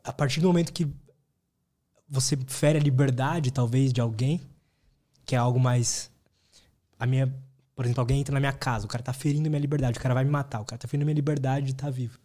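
A man's voice: mid-range voice, steady tone, fast talker, warm tone. A man talking in a casual podcast chat, thoughtful and reflective.

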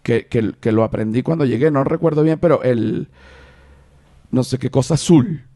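Chatty Venezuelan podcast host. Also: male voice, mid-range voice, normal speed. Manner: rambling, many fillers and restarts, animated. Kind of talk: casual podcast chat.

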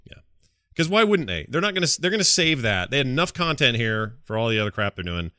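Male gaming podcaster, bright and dry-sounding, rambling, slangy, enthusiastic delivery. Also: mid-range voice, sing-song, fast talker, smooth, dry recording. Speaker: podcast host. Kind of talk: casual gaming podcast chat.

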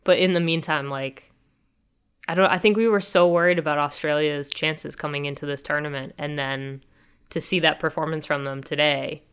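A woman's voice: deep voice, steady tone, normal speed, a bit bright, clear, resonant tone. A woman hosting a casual sports podcast, chatty and thinking aloud with fillers as she recaps matches. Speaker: soccer podcast host.

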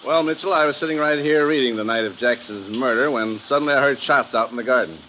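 Man playing matter-of-fact legation official, middle-pitched, earnest, 1950s radio drama, dull noisy recording. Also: fast talker, natural voice.

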